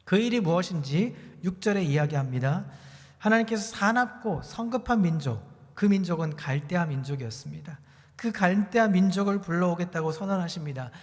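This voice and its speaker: A man preaching a sermon as pastor, earnest and measured, slowing down to stress key words. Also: sits high. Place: church sanctuary. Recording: church hall with long reverb.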